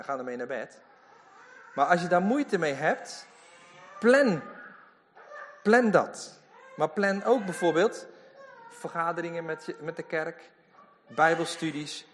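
A man preaching a lively sermon in a church, full of emphatic asides. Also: mid-range voice. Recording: long hall reverb.

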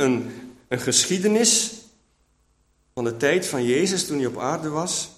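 Man giving a chatty Bible talk. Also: on the high side. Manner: chatty, keeps checking in with listeners. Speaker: preacher. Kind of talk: conversational Bible teaching.

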